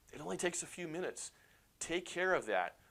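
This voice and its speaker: An animated tone delivered at a moderate pace. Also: man. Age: 50s. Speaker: electrician and military veteran giving trade advice. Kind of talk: advice talk to apprentices.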